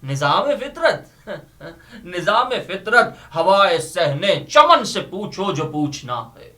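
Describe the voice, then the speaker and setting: A man's voice: high voice, big pitch swings, sharp tone. A man giving a theatrical, impassioned and declamatory reading of poetry, repeating phrases with emphasis. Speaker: dramatic poetry reader. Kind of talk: theatrical dramatic recitation of Urdu poetry.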